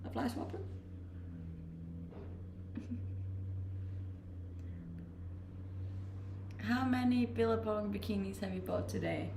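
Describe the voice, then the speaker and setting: Young Danish-accented woman for a casual chatty livestream, gravelly edges to her voice, recorded in a roomy-sounding space. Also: on the low side, a little hiss or hum. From Denmark. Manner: chatty, laughs easily. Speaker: streamer. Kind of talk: casual chat reading viewer questions. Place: rented house, indoors.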